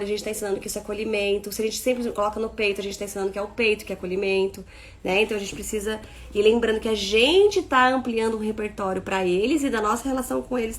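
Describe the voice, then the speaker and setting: Brazilian woman in her 30s running a parenting book study online, slightly high voice, reads then chats about it. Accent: Brazilian Portuguese. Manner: reads a passage, then comments warmly with playful baby-talk asides. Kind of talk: reading aloud and explaining to an online group.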